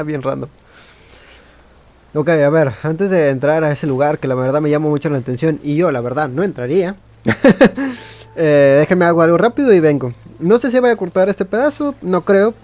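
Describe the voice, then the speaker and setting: A man's voice: on the high side, lively intonation, fast, darkish tone. A man giving informal let's play commentary, muttering to himself casually as he plays. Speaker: gaming video creator.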